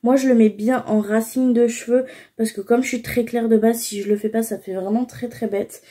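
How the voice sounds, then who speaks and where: A woman's voice: a little high, steady tone, moderate pace, dark tone, slightly rough. A young woman casually talking through her makeup routine, explaining each step with frequent fillers. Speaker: beauty vlogger.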